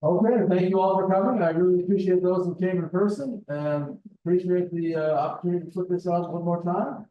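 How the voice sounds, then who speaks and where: A man hosting a meeting, giving halting, appreciative closing remarks informally in a meeting room. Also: high voice. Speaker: meeting host. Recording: dull, echoey room sound.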